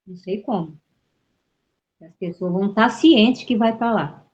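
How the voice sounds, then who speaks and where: A woman's voice: medium pitch, measured pace, a little mellow, lo-fi sound. A middle-aged woman from Brazil, an interview guest telling her experiences with vivid storytelling, repeating words and acting out quoted voices.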